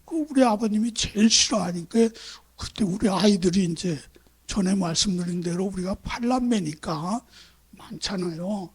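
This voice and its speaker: A Chungcheong-born pastor preaches in a church sanctuary with a high, slightly rough voice at a moderate pace. Conversational and story-driven, he keeps putting rhetorical questions to the people before him.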